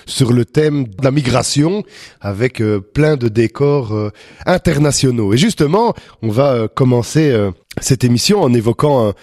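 A man's voice: medium pitch, normal speed, a little mellow, no echo. Dry-sounding male radio interviewer. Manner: friendly, conversational questioning with fillers. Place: large meeting hall of an office building.

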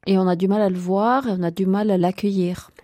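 A woman hosting a spiritual radio interview, asking questions in a gentle, hesitant way. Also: medium pitch, fairly even intonation, a little fast, dry recording, clean studio sound. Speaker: radio host.

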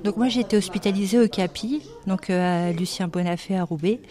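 A woman calmly describing how she joined a radio workshop. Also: mid-range voice, brisk. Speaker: radio show participant. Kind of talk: casual interview answers.

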